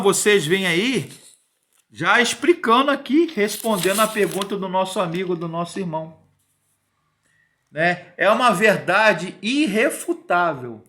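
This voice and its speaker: A man's voice: high-pitched, pushed and bright. A man in his fifties giving an informal Bible teaching, emphatic and repetitive, often digressing and adding tag questions. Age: 50s.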